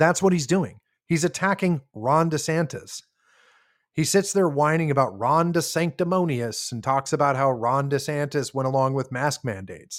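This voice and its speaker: In a very clean recording with a silent background, a man with a normal speaking voice talks at a moderate pace, fairly high in pitch with ordinary pitch variation. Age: 30s. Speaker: political podcast host. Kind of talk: solo political commentary. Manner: casual with many filler words.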